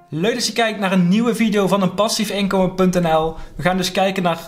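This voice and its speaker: A man talks at a fairly quick pace. His intonation is fairly even, with music in the background. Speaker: investing channel host. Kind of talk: educational commentary. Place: home room.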